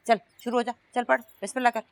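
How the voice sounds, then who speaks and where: An actress playing a bossy, pious household woman who gives brisk commands, in Pakistani Urdu. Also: fairly high pitch, steady tone, creaky. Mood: commanding. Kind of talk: TV drama acting.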